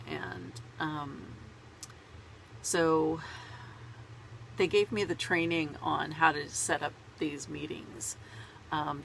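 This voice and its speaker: A woman's voice: low voice, creaky, fairly bright tone, a little hiss or hum, low-quality recording. A woman with a cold, congested and sore-throated, chatting in a rambling way to camera as a knitting vlogger from a small closet at home. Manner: rambling and chatty, laughs at herself. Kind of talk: casual chat to camera.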